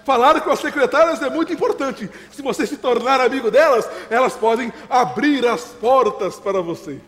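A man's voice: extremely high pitch, moderate pace, a bit bright. A man playing a fussy, chuckling father. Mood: chuckling advice. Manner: chuckling, repeats himself, lectures. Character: fussy, overbearing middle-aged father giving advice. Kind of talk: amateur stage play. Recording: reverberant hall.

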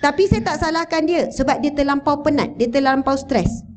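Woman preacher, Malaysian Malay accent, high pitch, animated and engaging with the audience. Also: normal speed. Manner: animated, addresses the audience with questions. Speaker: religious teacher. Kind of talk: religious talk to a mosque audience. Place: mosque hall, indoors. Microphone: handheld or lapel microphone, standing.

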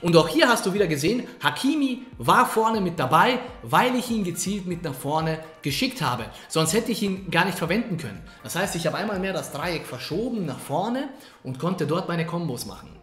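A man giving energetic, colloquial coaching commentary over gameplay, talking straight to the viewer. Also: high-pitched, normal speed. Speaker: gaming coach. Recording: echoey room. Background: faint background music.

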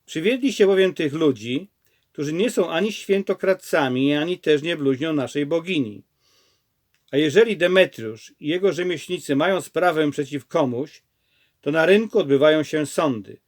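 A man voicing a city clerk who calms an angry crowd, in a plain read-aloud delivery. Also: on the high side, moderate pace, close to an everyday voice. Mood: calming.

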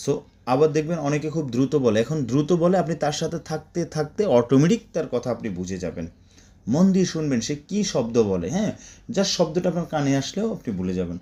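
Lively, mellow-voiced man teaching Arabic. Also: on the high side, brisk. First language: Bengali. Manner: repetitive, drilling words, chatty asides. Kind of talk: spoken Arabic lesson for Bangla speakers.

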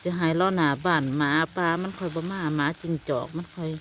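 A woman's voice: lowish voice, steady tone, fast talker, a bit bright, a little hiss or hum. A woman with an Isan Thai accent chatting casually to her viewers while grilling outdoors, rambling along and often calling them brothers and sisters. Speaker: vlogger. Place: backyard outdoors by a charcoal grill.

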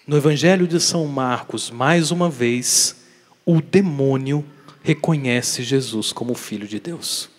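A man preaching a daily catechesis sermon as a priest, emphatic and putting rhetorical questions to his listeners, his voice swinging between loud and soft for emphasis. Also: medium pitch, measured pace. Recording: long reverb of a large hall.

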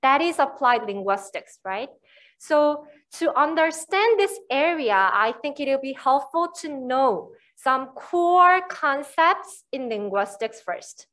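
A woman's voice: sits high, expressive, a bit bright. A woman with a Korean accent, a native speaker of Korean, giving a university lecture in an explanatory way with frequent checks like "right?". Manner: slow, explanatory, frequent "you know" and "right".

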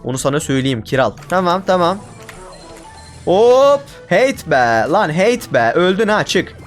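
Man, casual gameplay commentary, exasperated rants at teammates, very animated voice, faint music behind. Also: sits high, a little slow. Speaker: gaming YouTuber.

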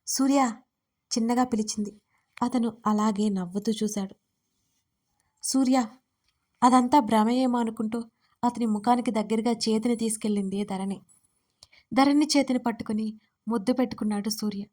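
A woman reading her own romance story aloud as writer and narrator, in a steady, even storytelling manner. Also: fairly high pitch, fairly quick.

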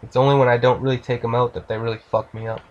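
A man's voice: medium pitch, little pitch movement, rapid-fire, darkish tone, highs cut off. Casual swearing gamer guy. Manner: loose, joking, swears a lot. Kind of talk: casual let's play commentary.

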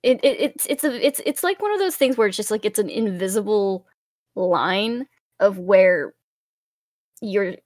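A woman's voice: mid-range voice, expressive, measured pace, a little mellow, no echo, studio quality. A woman chatting casually as an interview guest in a cute, bubbly streamer manner, rambling along.

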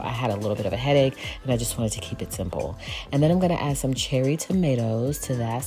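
Vlogger mom, forties, very low warm-toned voice, relaxed chatty delivery, light music underneath. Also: female voice. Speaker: lifestyle vlogger. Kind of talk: casual cook and clean narration. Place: home kitchen. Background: soft background music.

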